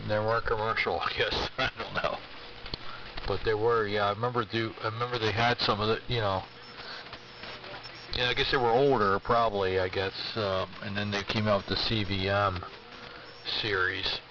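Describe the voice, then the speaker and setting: A man's voice: on the low side, flat delivery, normal speed. A man chatting casually as an amateur radio operator over shortwave AM, hesitant and rambling as he thinks aloud. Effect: shortwave AM radio transmission. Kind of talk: casual ham radio chat. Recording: noisy, muffled, distant shortwave radio signal.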